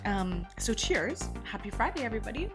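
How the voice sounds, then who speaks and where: Congested woman in her thirties, chatty and blunt, soft music underneath. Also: fairly high pitch, brisk. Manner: chatty, venting, animated, swears freely. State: congested from allergies. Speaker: podcast host. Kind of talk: casual chat, storytelling.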